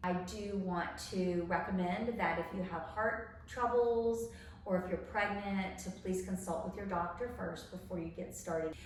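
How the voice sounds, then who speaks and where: Amid audible room echo and noticeable background noise, a woman speaks at a moderate pace with a medium pitch and ordinary pitch variation. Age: 50s. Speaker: yoga instructor. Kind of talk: tutorial.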